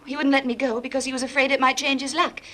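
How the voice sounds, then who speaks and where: An actress playing a coy, scheming young woman suspected of murder in a 1950s radio drama, breathy and teasing. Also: high-pitched, level tone, fast, a crowd in the background, natural voice. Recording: old radio broadcast recording.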